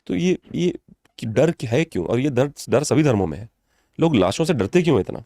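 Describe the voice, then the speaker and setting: A man hosting a podcast who asks probing questions in a halting way and often restarts them. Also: medium pitch, animated, warm tone, dry recording, clean studio sound. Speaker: podcast host.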